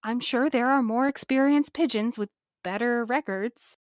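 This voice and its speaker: A woman's voice: a little high, no room sound, clean studio sound, natural voice. A woman playing a tired mail courier in an audio drama, polite and tactful but firm. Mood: polite, puzzled. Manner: tactful, measured. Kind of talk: scripted audio drama dialogue.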